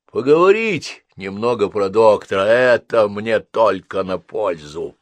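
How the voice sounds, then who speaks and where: A man voicing a shrewd, bedridden old woman in an audiobook, speaking in a folksy, wry, drawn-out way. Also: lowish voice, lively intonation, no room sound, voice pushed up. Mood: slow and sly. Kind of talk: audiobook character voice.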